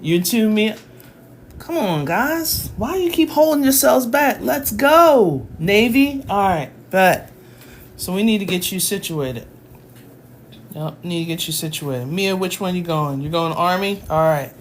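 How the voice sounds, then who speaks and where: A woman's voice: medium pitch, expressive, a little slow, a little hiss or hum. A woman math tutor in her forties, chatting and teasing her live chat between lessons, talking into her phone at home. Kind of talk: casual livestream lesson.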